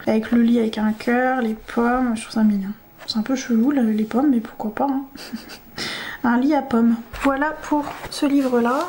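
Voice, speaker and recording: A woman's voice: a little high, a little mellow, a little hiss or hum. A woman vlogger chatting casually and gushing about illustrations she likes, giggling now and then. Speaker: coloring-book vlogger. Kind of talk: casual chat.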